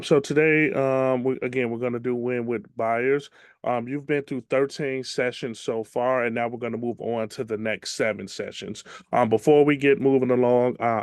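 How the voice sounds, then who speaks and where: A man teaching an online class as a real estate trainer, his voice slightly raspy from much teaching, chatty and relaxed with many ums. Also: medium pitch, no room sound, clean studio sound. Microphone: video call.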